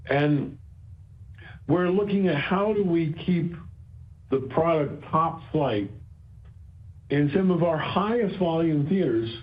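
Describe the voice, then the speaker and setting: Man with a higher-pitched voice, muffled call audio. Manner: halting delivery with repeated phrases for emphasis. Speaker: company executive. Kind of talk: earnings call remarks, semi-prepared explanation. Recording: dull, band-limited conference call audio.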